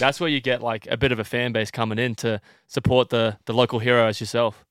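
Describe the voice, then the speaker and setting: At a fairly quick pace, a man speaks in an ordinary speaking voice at medium pitch, the sound dry and close with no echo. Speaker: podcast host. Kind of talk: casual chat. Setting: studio.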